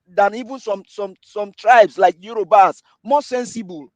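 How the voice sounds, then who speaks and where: A Nigerian man argues politics on a panel in a high-pitched voice. He is argumentative, throwing out repeated rhetorical questions. The sound is dry and close. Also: a little slow, darkish tone, no room sound. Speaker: panelist on a talk show. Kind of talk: heated political debate.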